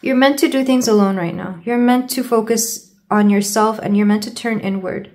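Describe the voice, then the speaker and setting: Congested woman giving a halting tarot reading. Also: fairly high pitch, darkish tone. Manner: halting, stumbling over words. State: congested with a sore throat. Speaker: tarot reader. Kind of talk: tarot card reading to viewers.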